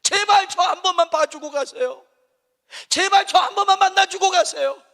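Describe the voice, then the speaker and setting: Man acting out a blind beggar, desperate, pleading shout, very high cry, long hall echo. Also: normal speed.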